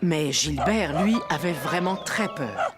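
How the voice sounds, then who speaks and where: A woman narrating a children's cartoon as a gentle storyteller, reading scripted lines with expression. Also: sits low, expressive, slow pace, loud music behind the voice. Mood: storytelling.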